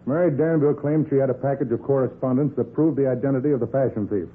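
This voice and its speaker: Actor as an imperious, quick-talking radio boss. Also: male voice, medium pitch, breathy edge, natural voice. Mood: smug, unapologetic. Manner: pompous, clipped, domineering. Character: imperious, threatening male department store boss. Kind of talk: 1940s radio crime drama acting. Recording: muffled, scratchy 1940s radio recording.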